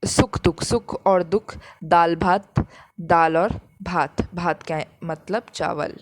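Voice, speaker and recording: Slow, patient woman teacher. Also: fairly low pitch, slight background noise. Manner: patient, repeats each example slowly. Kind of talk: Hindi grammar lesson explaining examples.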